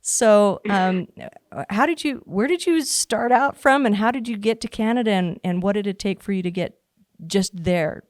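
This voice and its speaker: A woman's voice: mid-range voice, normal speed, no room sound, clean studio sound. A woman hosting a podcast, asking friendly, slightly hesitant questions. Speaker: podcast host. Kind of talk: casual interview talk.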